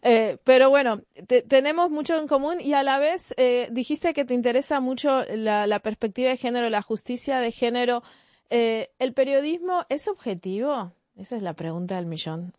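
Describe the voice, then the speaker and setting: A woman's voice: on the high side, lively intonation, normal speed, a little mellow, no echo. A woman from Argentina with an Argentine accent, interviewing in an engaged, chatty way and often finishing the guest's thoughts. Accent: Argentine Spanish. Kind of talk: conversational interview.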